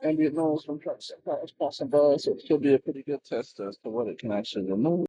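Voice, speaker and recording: Speaking very fast with hardly any pauses, a man with a fairly high pitch and a dark, mellow tone uses lively intonation and big swings in loudness. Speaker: audio engineer / tech reviewer. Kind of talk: casual on-location commentary. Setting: outdoors on busy city street.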